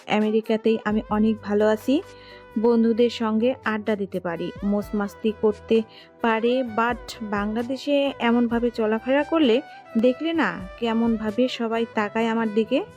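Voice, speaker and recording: An actress playing a spoiled young daughter, coaxing and whiny. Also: female voice, a little high, unhurried, darkish tone, soft background music.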